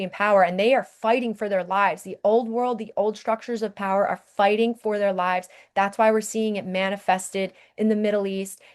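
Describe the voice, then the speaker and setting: A woman's voice: mid-range voice, smooth. A woman hosting a spiritual podcast who talks in an earnest, urging way and often checks in with the listener. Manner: earnest, urging, repeats "okay?". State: briefly emotional. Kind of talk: impassioned spiritual talk.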